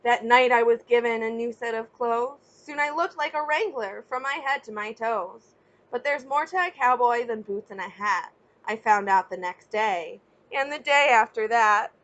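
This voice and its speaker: Dull-sounding, higher-pitched woman reading a storybook. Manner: expressive, pausing to ask young listeners questions and explain. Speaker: teacher reading a picture book aloud. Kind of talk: children's storybook read-aloud with asides to listeners.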